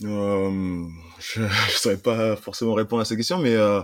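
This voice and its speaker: Fairly low male pitch at a moderate pace, on a very clean recording with a silent background. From southern France, Montpellier area. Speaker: former rugby player. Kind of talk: interview.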